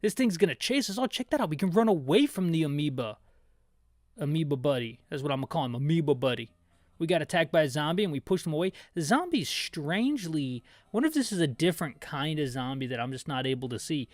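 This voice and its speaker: Chatty man narrating a game, slightly high voice. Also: animated, fast talker, no room sound. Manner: rambling, jokey, chatty. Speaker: video game playthrough narrator. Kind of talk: casual descriptive commentary with asides.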